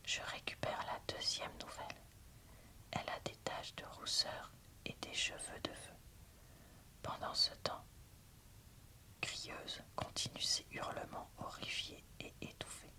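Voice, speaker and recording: A woman's voice: unhurried, pauses often. Whispering woman, ASMR style. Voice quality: breathy, unvoiced whisper. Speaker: book reviewer. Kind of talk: ASMR whispered book reading and review.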